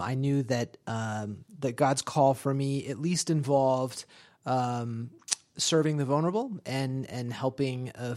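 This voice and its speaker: Thoughtful, halting American lawyer guest. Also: male voice, medium pitch, a little mellow. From Colorado, USA. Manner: thoughtful, halting, many fillers. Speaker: immigration lawyer, podcast guest. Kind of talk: casual interview.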